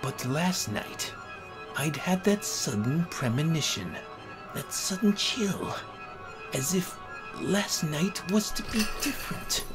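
A man's voice: fairly high pitch, lively intonation, slow. A man giving a theatrical, emphatic dramatic reading of a horror comic story. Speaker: amateur narrator. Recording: voice over background music.

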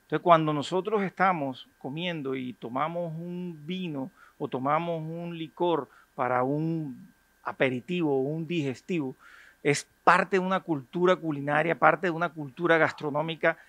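A restaurant owner interviewed indoors for the news, speaking with fluent enthusiasm. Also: male voice, on the high side, moderate pace, fairly bright tone, no room sound. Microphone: handheld reporter mic.

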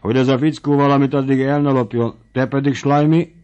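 A man voicing an irascible old country squire who barks orders in shouting tirades. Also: medium pitch, fairly even intonation, pitched above the performer's own voice, natural voice. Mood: gruff. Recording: dull lo-fi audiobook recording.

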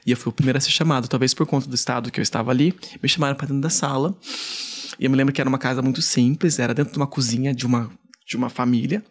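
A man from Brazil, a podcast guest, casually telling a personal story in an animated way, repeating words. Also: medium pitch, rapid-fire, slightly rough. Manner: animated, frequent fillers and self-repeats.

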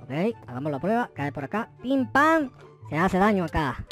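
A man voicing an excitable, mischievous, foul-mouthed young Minecraft noob, exclaiming and muttering to himself as he plays. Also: sits high, moderate pace, faint music behind. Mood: scheming. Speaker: gaming video host. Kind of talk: roleplay gameplay commentary.

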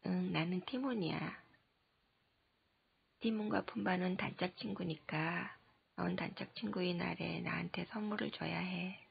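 A woman voicing a chatty, playful little girl in an audiobook, in a breathy, half-whispered childlike voice on a dull lo-fi recording. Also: fairly low pitch, a little slow, full character voice.

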